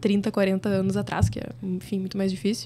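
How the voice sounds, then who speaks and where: Noticeable background noise runs under a woman's voice. She speaks at a medium pitch with fairly even intonation. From southern Brazil, Rio Grande do Sul interior (Santa Rosa). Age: 30s. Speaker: fintech entrepreneur. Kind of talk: podcast interview. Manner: casual, many filler sounds.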